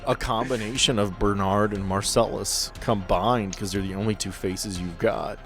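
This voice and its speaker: A man's voice: on the low side, fairly even intonation, normal speed, soft background music. A man working as game master, narrating a tabletop roleplaying game in conversation with players.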